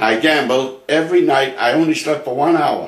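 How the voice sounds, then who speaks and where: Amid audible room echo, a man speaks with a fairly high pitch and ordinary pitch variation. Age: 80s+. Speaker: elderly marijuana activist. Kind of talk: casual storytelling. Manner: animated.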